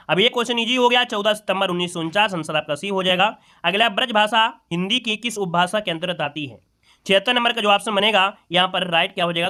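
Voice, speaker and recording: Male tutor, high and bright, walks viewers through exam answers, repeating each one. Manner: repeats each question and answer, asks rhetorical questions; addresses listeners as friends. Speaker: teacher solving exam questions. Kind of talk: exam-prep lesson.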